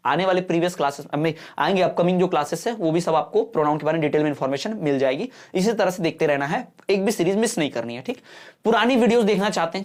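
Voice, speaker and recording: A male exam-prep teacher giving an online lesson in mixed Hindi and English, explaining patiently and often checking whether the students have understood. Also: high voice.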